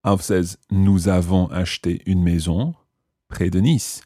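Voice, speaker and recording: A man's voice: deep voice, steady tone, takes it slowly, mellow, husky, no room sound, clean studio sound. A man hosting a language lesson, explaining and repeating phrases for learners in scripted teaching narration.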